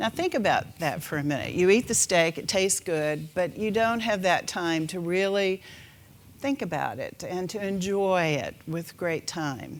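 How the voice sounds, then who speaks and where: At a moderate pace, a woman talks in an ordinary speaking voice with a medium pitch and ordinary pitch variation. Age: 60s. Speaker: retired TV journalist. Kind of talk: panel talk.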